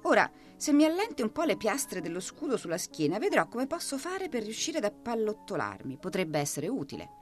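A woman voicing a slow, stubborn female turtle who speaks in a firm, measured way in a storybook reading. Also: mid-range voice, huge pitch swings, soft background music, voice pushed up. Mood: sly, encouraging.

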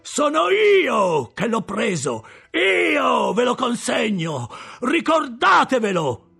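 A man voicing a scornful, boastful male escaped convict who shouts his claims. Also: very high voice, wildly swooping pitch, takes it slowly, gravelly, slightly rough, soft background music, voice pushed up, heavily acted. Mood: shouting boastfully. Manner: loud, shouting, triumphant.

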